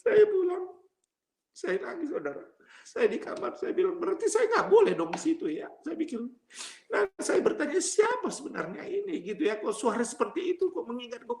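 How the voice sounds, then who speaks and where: A man giving an emotional church testimony. He addresses his listeners as "saudara" again and again, drops in English phrases, and swings between hushed murmurs and high, strained outbursts. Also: echoey room. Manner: addresses listeners as "saudara" in almost every line. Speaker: testimony speaker.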